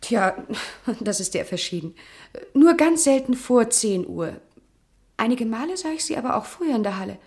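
An actress playing a haughty, precise young household companion under suspicion in a German radio crime drama, pointed and slightly indignant. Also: female voice, fairly high pitch, sing-song, moderate pace, a little mellow. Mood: precise, composed. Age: 20s.

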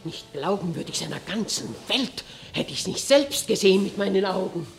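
A woman's voice: mid-range voice, expressive, normal speed, vocal fry, soft background music. An actress playing an imperious, hostile queen in a classic radio play, speaking with urgent theatrical command. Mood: stunned.

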